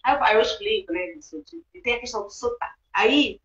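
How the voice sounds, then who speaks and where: A woman's voice: fairly high pitch, animated, a little fast, a bit bright. A woman teacher from Rio de Janeiro with a Carioca accent, co-hosting a live video chat in a hesitant, conversational way. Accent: Carioca Portuguese. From Rio de Janeiro, Brazil. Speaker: teacher and co-host. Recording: roomy, dull sound.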